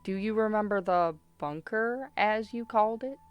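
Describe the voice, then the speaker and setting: A woman's voice: mid-range voice, normal speed, clean tone, lo-fi sound, close to an everyday voice. A woman playing a ruthless, impatient doctor leading an interrogation in a radio play, clipped and commanding. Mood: pressing.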